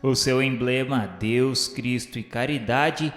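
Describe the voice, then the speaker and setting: Music runs beneath this radio drama narration, which is drenched in long, echoing reverb. The narrator, a man with a Brazilian accent, reads his script in a grave, formal, oratorical style, his medium-pitched voice steady, fairly bright, and slow.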